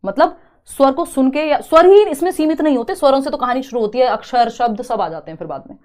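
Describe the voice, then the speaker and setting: A young woman teaching a live online exam-prep class, chatty and teasing, slowly spelling out word examples. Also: sits high, lively intonation, darkish tone. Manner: chatty, teasing students between explanations.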